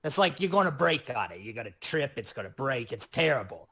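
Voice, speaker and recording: A man acts out a reckless goblin demolitionist in a tabletop game. The voice is rough and husky, mid-pitched, with a breezy, flippant, chatty delivery full of mock-fussy wisecracks. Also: sing-song, fairly quick, sharp tone, exaggerated voice.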